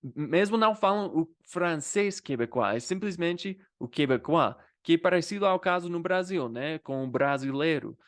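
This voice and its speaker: American male language vlogger, slightly high voice, easy chatty delivery with frequent tag questions. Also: expressive, moderate pace. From United States. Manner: conversational, often adds "né?" and "entendeu?" as tags. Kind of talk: casual explanatory vlog.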